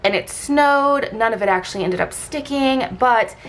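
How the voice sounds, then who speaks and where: A woman's voice: on the high side, normal speed. A woman with a stuffed-up, blocked nose and slightly scratchy throat, narrating a craft vlog in a casual, informal, rambling way. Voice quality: congested, blocked-nose sound. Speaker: planner vlogger.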